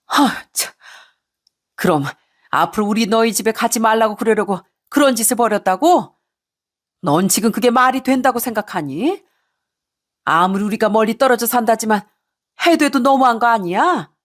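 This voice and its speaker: A woman's voice: fairly high pitch, animated, moderate pace, pauses often, voice pushed up. A woman voicing an indignant Korean mother-in-law in her sixties who presses with reproachful questions.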